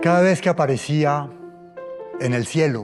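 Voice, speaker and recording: A fairly high-pitched man with a Colombian accent, at a fairly slow pace, music playing in the background. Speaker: storyteller. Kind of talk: oral storytelling.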